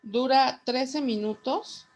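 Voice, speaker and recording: Woman teacher slowly dictating notes. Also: high-pitched. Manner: slow, deliberate dictation with repeated phrases. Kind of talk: dictating a class lesson.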